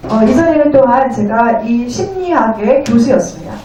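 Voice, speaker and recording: High-voiced woman interpreter in echoey room. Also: expressive, warm tone, recorded from a distance. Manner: halting, polite formal phrasing. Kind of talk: consecutive interpreting of a lecture. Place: echoey indoor venue.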